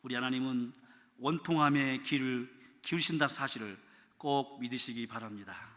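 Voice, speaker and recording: A middle-aged male pastor preaching a sermon in a church, acting out prayers and quotes, swinging from loud calls to soft, pleading tones. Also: mid-range voice, normal speed. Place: church sanctuary. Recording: church hall reverb.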